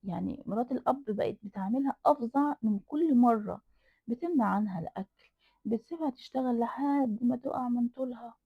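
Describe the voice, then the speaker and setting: Egyptian woman telling a scary story, lots of repeating, dry flat phone-like audio. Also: a little high, fairly quick, slightly rough, no echo. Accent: Egyptian Arabic. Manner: dramatic, repeats phrases for emphasis. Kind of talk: horror story narration. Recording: dry tinny phone-like sound.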